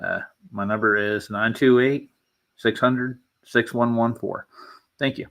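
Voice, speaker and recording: A man leaving a voicemail message, halting and filling gaps with "uh". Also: medium pitch, steady tone, gravelly, fairly bright tone. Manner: halting, with many "uh" fillers. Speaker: streamer making calls.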